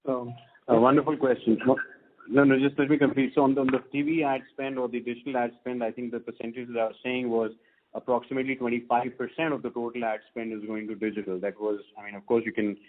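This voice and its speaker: A man's voice: mid-range voice, little pitch movement, fast talker. Indian man on a tinny phone line. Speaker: company executive on an earnings call. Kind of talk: spontaneous business question-and-answer. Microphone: conference call line.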